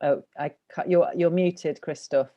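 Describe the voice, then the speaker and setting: A woman's voice: low-pitched, steady tone, unhurried, dark tone, lo-fi sound. A British woman moderating an online panel discussion, talking informally in hesitant, rambling phrases. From Britain. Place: online video conference.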